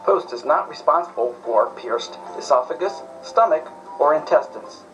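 A woman's voice: sits low, lively intonation, normal speed, lo-fi sound, faint music behind. A woman playing an upbeat announcer in a parody children's cereal commercial, with a peppy sales manner. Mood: peppy selling. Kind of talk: children's TV advertisement read.

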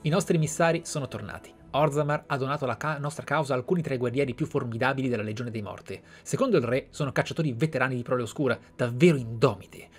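A man's voice: medium pitch, quick pace, few pauses, soft background music. An Italian man hosting a video game playthrough, reading and commenting in a theatrical, formally phrased way. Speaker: gaming video host.

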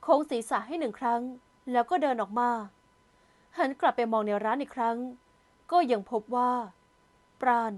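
A woman narrating a romance audio novel in a steady, measured storytelling voice. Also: on the high side.

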